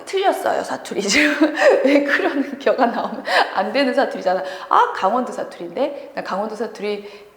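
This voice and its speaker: A woman tutor lecturing students on a literary work in a chatty, animated way, laughing often between points, in what sounds like a classroom. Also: on the high side, moderate pace, a little hiss or hum. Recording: echoey room with long reverb.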